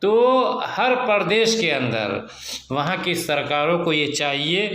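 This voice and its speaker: A man giving unscripted news commentary, speaking slowly and measuredly with frequent hesitant fillers. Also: a little high, pushed and bright, roomy sound.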